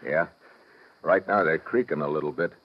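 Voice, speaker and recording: An actor playing a cool, tough American special agent in a 1950s radio drama, speaking tersely in wisecracking slang. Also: male voice, extremely low pitch, normal speed. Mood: wry, relaxed. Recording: muffled, noisy vintage radio recording.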